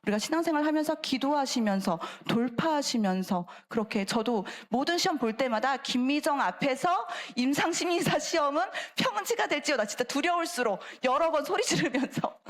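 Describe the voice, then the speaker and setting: A middle-aged woman giving a seminar talk at a church, chatty and animated, acting out voices in her examples. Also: high-pitched, brisk, few pauses. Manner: animated, acts out quoted voices, chatty asides. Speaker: church lecturer. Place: church sanctuary.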